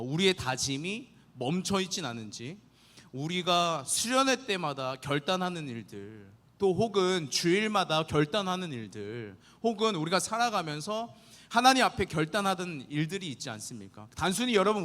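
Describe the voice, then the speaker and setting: A young adult man preaching a sermon to teenagers, earnest and animated, often asking the listeners questions. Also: sits high, in a large hall. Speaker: youth pastor.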